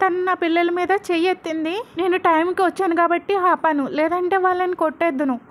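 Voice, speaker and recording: A woman's voice: very high voice, steady tone, a little fast, pitched above the performer's own voice. A woman voicing a scheming mother who makes dramatic accusations. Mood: accusing. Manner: accusing, melodramatic.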